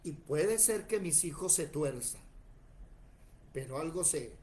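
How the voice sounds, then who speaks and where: Preacher, male, forties, voice sits a bit high, animated storyteller who acts out the people in his stories. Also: slow. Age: 40s. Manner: animated, tells stories acting out other voices. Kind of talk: sermon with personal stories. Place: church.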